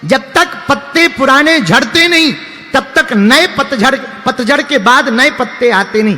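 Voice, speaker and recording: High-voiced man preaching in a hall. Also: pushed and bright. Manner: storytelling, jokey, with sung couplets. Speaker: religious preacher. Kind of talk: devotional sermon with chanting. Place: large event venue with crowd.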